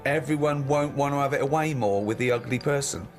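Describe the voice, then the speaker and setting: A man hosts a radio chat, his voice at a middle pitch for a man. He banters casually and keeps pressing with teasing questions. Faint music plays somewhere behind him. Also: fairly quick. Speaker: radio host.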